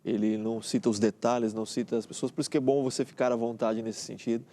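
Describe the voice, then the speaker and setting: A man's voice: mid-range voice, little pitch movement, fast talker, mellow. A man with a Brazilian Portuguese accent, a pastor co-hosting a religious TV show in a chatty way, often tagging his sentences with a question. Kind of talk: casual co-host chat.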